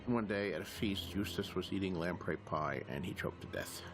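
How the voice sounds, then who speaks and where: A man's voice: low voice, moderate pace. A man recounting history as a commentator in a documentary interview. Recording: loud music bed behind voice.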